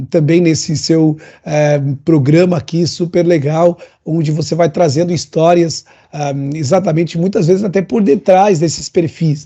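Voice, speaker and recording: A man from northern Portugal with a European Portuguese accent that leans Brazilian, chatting as a guest with lively asides and many fillers. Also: sits high, breathy edge, highs cut off. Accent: European Portuguese, adapted toward Brazilian. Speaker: guest, LinkedIn consultant. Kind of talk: casual interview chat.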